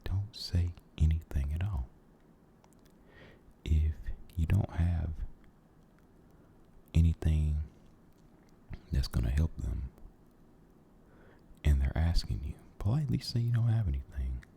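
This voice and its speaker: Very slow, whispering deep-voiced man. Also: animated, vocal fry, a little hiss or hum. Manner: halting, gentle, repeats phrases. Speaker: ASMR video creator. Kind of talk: soft-spoken ASMR ramble, mostly whispered.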